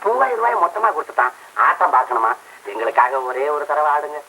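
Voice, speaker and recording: Film role: a cheeky club attendant, wheedling, lively high voice, faint hiss. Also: male voice, quick pace, heavily acted, poor audio. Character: fawning, chatty male club attendant.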